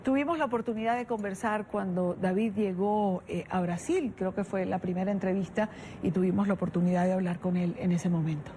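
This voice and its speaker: A woman's voice: medium pitch, fairly even intonation, fairly quick, mellow, slight background noise. A woman hosting a news interview, asking probing, direct questions. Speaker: interviewer, host.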